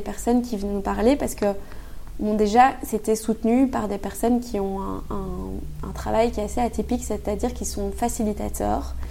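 Moderate pace, with audible room echo and noticeable background noise. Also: woman. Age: 30s. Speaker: lawyer and citizen-assembly politician. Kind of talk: interview.

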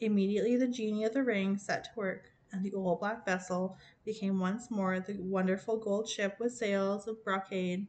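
Fairly even intonation in a natural reading voice.

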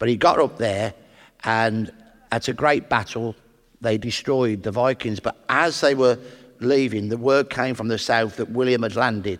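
A man with a strong Birmingham accent, medium pitch, fairly even intonation and a moderate pace. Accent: broad Birmingham (Brummie). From Birmingham, England. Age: 60s. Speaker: historian. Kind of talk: live podcast conversation. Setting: stage with audience.

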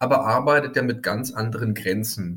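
A man with a slight Franconian accent, talking at a fairly slow pace. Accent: slight Franconian, noticeable in the R. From Germany, rural Upper Franconia. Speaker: journalist. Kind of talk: personal interview conversation.

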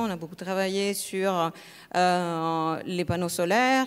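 A woman at a medium pitch with a non-native accent, speaking at a very slow pace. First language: not French (speaking French). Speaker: economics professor. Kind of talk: conference panel discussion. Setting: conference panel with audience.

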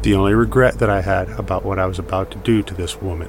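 Menacing man with a very deep, low pitch, music in the background. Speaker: actor playing a lecturer narrator. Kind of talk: first-person horror fiction narration. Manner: measured, reflective; dry, menacing undertone.

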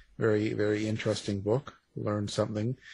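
With a quiet background, a man talks fairly slowly at a fairly low pitch in a somewhat breathy voice. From Seattle, US Pacific Northwest. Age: 60s. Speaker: radio host. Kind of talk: interview.

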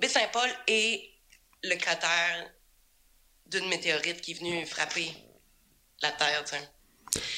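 Speaking very slowly with long, frequent pauses, a woman has a fairly low voice. Her tone is bright and sharp, and her intonation is lively. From Quebec, Sainte-Anne-des-Plaines. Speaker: painter. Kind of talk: casual chat.

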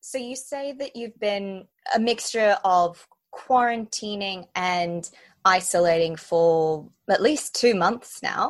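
A woman with an Australian accent, very slow pace and lively intonation, over a quiet background. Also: medium pitch for a woman. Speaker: podcast host. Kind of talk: casual chat.

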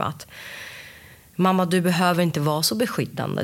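A woman talks in a fairly low voice, with noticeable background noise present throughout. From Sweden, Persian background. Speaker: sustainability manager in the armed forces. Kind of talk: interview, casual chat.

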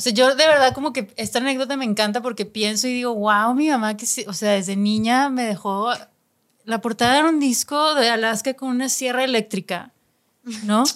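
The woman's voice sits high in pitch and moves with ordinary variation. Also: moderate pace. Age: 40s. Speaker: podcast co-host. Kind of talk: casual chat.

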